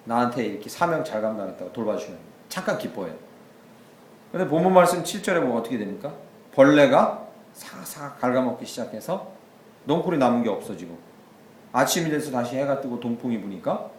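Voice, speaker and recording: A man's voice: mid-range voice, echoey room, slight background noise. A male pastor preaching a sermon, telling the story with animation and acting out the characters' voices.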